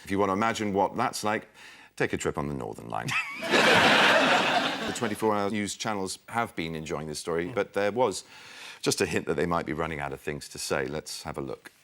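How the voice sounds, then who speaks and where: Low-voiced deadpan quiz host. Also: male voice, brisk, slight background noise. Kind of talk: reading scripted quiz jokes.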